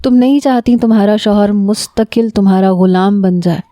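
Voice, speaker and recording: A woman voicing a smooth-talking young man who calmly asks probing, personal questions. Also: medium pitch, no room sound, clean studio sound, close to an everyday voice.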